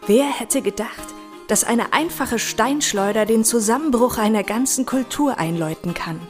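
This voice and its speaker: Erzählerin mit leiser Gitarrenmusik dahinter. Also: female voice, fairly high pitch, moderate pace, faint music behind. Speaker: narrator. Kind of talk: scripted documentary narration.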